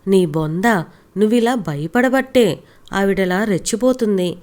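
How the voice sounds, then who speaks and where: Woman doing a blunt, shouting old father-in-law from the village, rough and defiant, in a dark-toned voice. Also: medium pitch, unhurried, close to an everyday voice. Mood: scornful. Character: gruff old male village father-in-law, quick-tempered.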